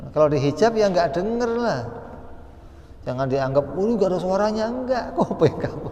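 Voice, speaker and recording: A man's voice: fairly high pitch, a little mellow, a little hiss or hum. A man giving an Islamic study lecture in a conversational way, asking questions and answering them himself. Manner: conversational, asks and answers his own questions. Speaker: religious teacher. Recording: long reverb in a hall.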